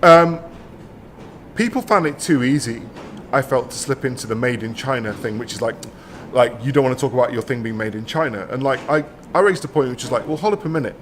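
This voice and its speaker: A man at an ordinary middle pitch, chatting as a guest in a relaxed interview. He reasons aloud and keeps checking in with his listener. A faint noise runs under the recording. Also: fairly quick. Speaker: guest, professor. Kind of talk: casual conversation.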